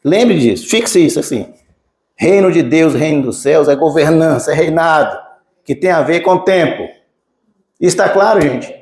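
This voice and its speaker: A male preacher with a Mineiro Brazilian accent delivers a teaching sermon, stressing key points and checking with his listeners. His voice sits rather high for a man. The sound carries the echo of a church room. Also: animated, moderate pace, a little mellow. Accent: Mineiro Brazilian Portuguese. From Minas Gerais, Brazil. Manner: emphatic teaching, asks the congregation questions. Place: church sanctuary.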